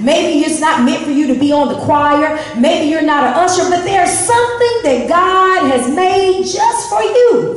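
Amid audible room echo, a woman with an extremely high pitch speaks in an animated way at a moderate pace with lively intonation. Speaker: preacher. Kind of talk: sermon. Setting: church youth revival. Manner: animated, rising preacher's cadence; emphatic, exhortation to the youth. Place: church.

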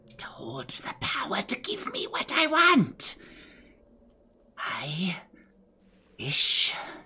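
In a whispered, put-on character voice, the speaker goes at a very slow pace with long, frequent pauses. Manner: whispering, then exultant.

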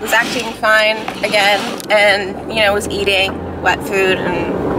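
A woman speaks over noticeable background noise. The sound is dry with no echo. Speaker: vlogger. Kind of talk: casual vlog chat. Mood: concerned, animated. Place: car. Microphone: phone near.

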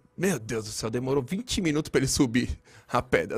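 Vocal fry colors a man's animated tone at a moderate pace. The background is quiet. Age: 40s. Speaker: podcast guest. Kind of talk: interview storytelling. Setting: studio. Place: studio. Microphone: studio mic.

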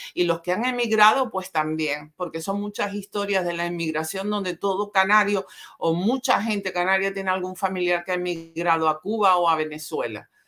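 A woman speaks at a moderate pace with hardly any pauses. Her pitch varies in an ordinary way over a quiet background. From Canary Islands (Icod, Tenerife); Canary Islands. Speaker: novelist, retired teacher; retired teacher. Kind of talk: interview. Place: home room.

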